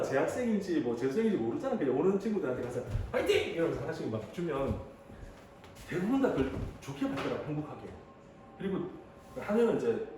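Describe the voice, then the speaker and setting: A man in his thirties teaching high school English, chatting and joking with his students as he calls on them to read. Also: dark tone, distant mic. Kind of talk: classroom lecture. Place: classroom. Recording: echoey room, voice off-mic, faint hiss.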